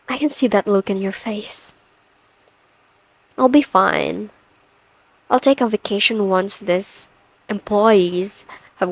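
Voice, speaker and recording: Brief: stern female CEO woman acting, overworked, dryly menacing, measured and commanding, unhurried delivery, close dry studio sound, for an audio roleplay. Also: medium pitch, dry recording, rough recording. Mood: weary, wry.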